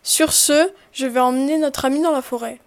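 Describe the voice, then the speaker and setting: A woman's voice: sits high, steady tone, normal speed. A woman playing a commanding man in white. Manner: loud, commanding announcements. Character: menacing man in white, adult male, cold village official.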